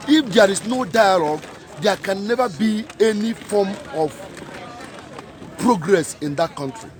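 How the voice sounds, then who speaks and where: A man's voice: high-pitched, expressive, a little slow, a faint crowd. Impassioned man at street protest. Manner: repetitive, emphatic rhetorical questions. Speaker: protest speaker. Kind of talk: impassioned outdoor protest speech.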